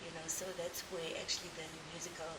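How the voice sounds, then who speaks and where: A South African woman, a gospel singer, chatting in a relaxed way as an interview guest, mixing Zulu with English, laughing often and telling lively stories. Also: low-pitched, fast, a loud crowd, low-quality recording. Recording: hissy background noise.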